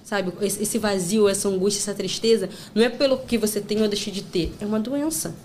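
A woman's voice: mid-range voice, brisk, a little mellow, a little hiss or hum. A woman chatting as a podcast guest, telling stories with lots of fillers, acting out quotes and breaking into laughter. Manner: chatty storytelling full of fillers. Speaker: podcast guest, content creator. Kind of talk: casual chat.

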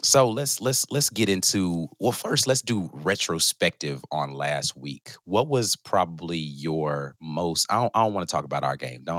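A man's voice: extremely low pitch, a bit bright, dry recording, studio quality. A young man hosting a casual sports podcast, chatty and laid-back with slang. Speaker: podcast host.

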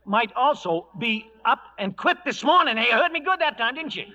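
A cantankerous old cowhand with a high, very lively voice and a rustic American Western drawl. His words come mumbled and toothless, in the folksy manner of a 1940s radio western. The sound is dull and vintage. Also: normal speed, heavily acted. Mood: stubborn, wheedling. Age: older. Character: crusty, loyal old cowhand narrating and bantering. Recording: dull vintage radio recording, faint music.

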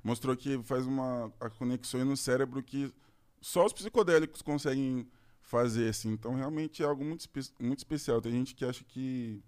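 Casually chatting on a podcast, a man with a Brazilian Portuguese accent tells a long, rambling personal story packed with slangy filler words. His mid-range voice has a darkish tone and a moderate pace.

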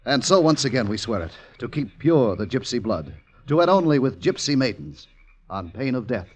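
Lively, commanding gypsy man. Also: mid-range voice. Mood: stern command. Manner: brisk, theatrical, commanding. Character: nimble, boastful, bossy young male gypsy ringleader. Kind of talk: 1950s radio drama acting.

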